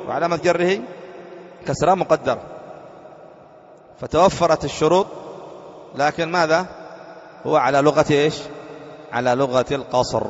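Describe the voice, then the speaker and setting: Male sheikh teaching grammar, slightly high voice, keeps quizzing the class, dull recording with a long hall echo. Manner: quizzes students with rhetorical questions; reads a text aloud slowly, then explains it.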